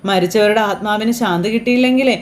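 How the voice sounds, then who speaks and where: A woman's voice: medium pitch, fast, lightly acted. A woman voicing a worried older aunt who frets over an orphaned girl, in quoted serial dialogue. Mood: fretful.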